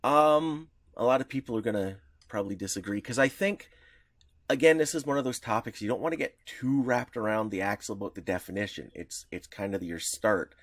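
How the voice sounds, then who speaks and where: A man co-hosts a casual podcast with a fairly low voice. He explains things in a rambling way, often stopping and restarting. The recording is close and dry. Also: dry recording. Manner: rambling, halting, many restarts. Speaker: podcast co-host.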